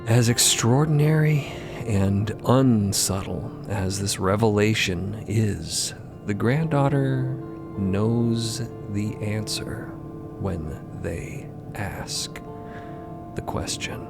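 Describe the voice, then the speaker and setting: A narrator delivers scripted drama prose at a slow pace. The telling is dramatic, with prominent music underneath. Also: mid-range voice, vocal fry.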